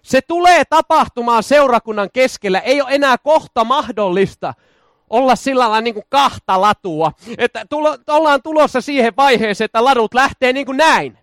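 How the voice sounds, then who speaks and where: A high-pitched man preaching with exuberant energy, his clear as he breaks into shouted hallelujahs and folksy jokes. The sound is dry and close, with no room echo. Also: expressive. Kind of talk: charismatic sermon.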